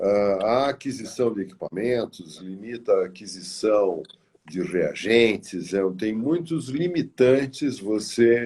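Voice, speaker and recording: This man speaks at a medium pitch. He has a dark, mellow tone. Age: 70s. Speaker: environmentalist and hospital director. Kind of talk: interview in a live stream. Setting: online live stream. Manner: halting, with many fillers.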